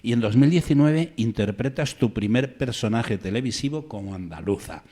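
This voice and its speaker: A man's voice: medium pitch, expressive, moderate pace, mellow. A man hosting an interview, walking through the guest's career and asking conversational questions. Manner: conversational, reads out career details, asks questions. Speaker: interview host.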